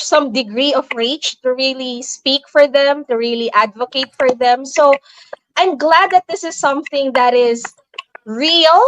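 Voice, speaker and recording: A woman's voice: sits high, no echo, rough recording. A young adult woman hosting a casual interview over a video call, chatty and curious, with many fillers. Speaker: host.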